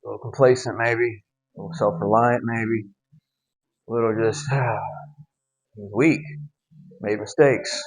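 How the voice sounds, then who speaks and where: A man's voice: lowish voice, fairly even intonation, a little slow, long pauses, husky, rough recording. A man giving a casual, conversational Bible teaching in a home gym, with wry asides and small laughs.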